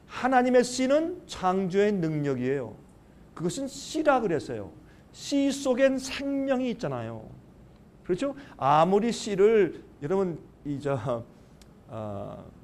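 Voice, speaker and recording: Pitched high for a man, his voice makes very wide pitch swings at a very slow pace, with long, frequent pauses and audible room echo. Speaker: pastor. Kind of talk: sermon.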